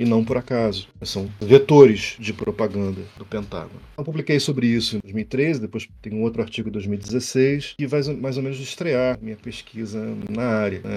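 A man with a dark, mellow tone talks at medium pitch and a moderate pace, with ordinary pitch variation, big swings in loudness and hardly any pauses. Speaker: history professor. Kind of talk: interview conversation.

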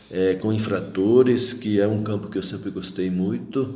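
Over audible room echo, a man speaks at a moderate pace in a fairly low pitch with fairly even intonation. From southern Brazil, Italian-descended farming family. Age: 50s. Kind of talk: interview about his life. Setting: recorded at a priests' retreat.

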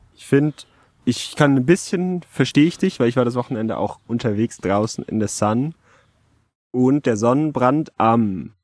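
In an unremarkable speaking voice, a man talks at a moderate pace and medium pitch with ordinary pitch variation, the sound dry and close with no echo. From Bavaria, Germany. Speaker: podcast co-host. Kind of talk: casual chat. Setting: outdoors at a lake beach.

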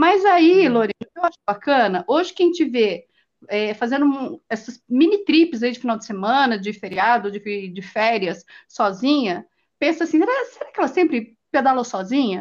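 A woman speaks in a high pitch with very wide pitch swings. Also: moderate pace. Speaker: podcast host and bicycle traveller. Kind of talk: casual chat. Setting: recorded on call, no studio.

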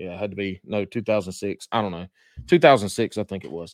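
On a very clean recording with a silent background and a dry, close sound with no echo, a man with a Southern US accent talks at a very fast pace with fairly even intonation. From South Carolina. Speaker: podcast host. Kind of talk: casual chat. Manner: profane, conversational.

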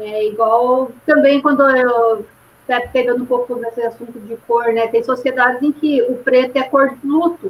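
At a moderate pace, a woman with a high voice speaks with fairly even intonation. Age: 30s. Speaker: youtuber and teacher. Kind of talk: casual chat. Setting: live stream.

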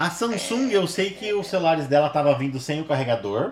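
Swinging very widely in pitch, a man talks in a somewhat breathy voice. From São Paulo state, Franco da Rocha area. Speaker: gaming group member. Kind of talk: casual chat.

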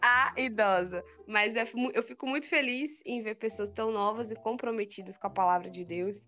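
A woman talks at a moderate pace with a fairly high pitch. Music plays in the background. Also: ordinary pitch variation. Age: 20s. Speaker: church youth member. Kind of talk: casual chat.

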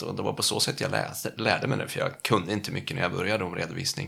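A man's bright, sharp tone with vocal fry. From northern Sweden, Sundsvall. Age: 50s. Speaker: IT business-systems consultant. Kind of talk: casual interview. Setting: office.

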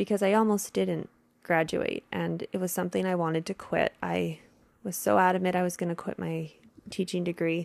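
A woman at a moderate pace, with long, frequent pauses, in a very clean recording with a silent background. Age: 30s. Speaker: podcast host and mindset coach. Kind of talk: casual solo monologue. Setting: sitting on her bed at home.

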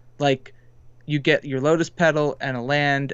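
In an American accent, a man with a plain, everyday voice talks at medium pitch and a moderate pace with fairly even intonation. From northeastern US, New Jersey then upstate New York. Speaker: podcast host and card game writer. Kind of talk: casual chat.

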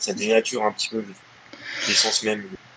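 A man speaks at a fairly quick pace in a fairly low pitch, his intonation monotone and flat. Noticeable background noise runs underneath. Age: 20s. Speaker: card collector. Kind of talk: casual chat.

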